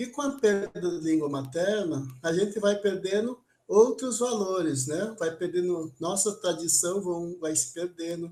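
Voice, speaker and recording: A man's high pitch at a fairly slow pace, with hardly any pauses. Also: ordinary pitch variation. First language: Kaingang (speaking Portuguese). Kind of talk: interview. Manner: halting, with repetitions and fillers.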